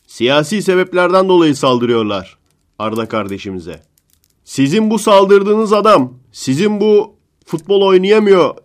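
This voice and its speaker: A man voicing a loud, boorish middle-aged male football fan who rants indignantly and repeats himself. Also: a little high, pitched above the performer's own voice. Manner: ranting, indignant, repetitive.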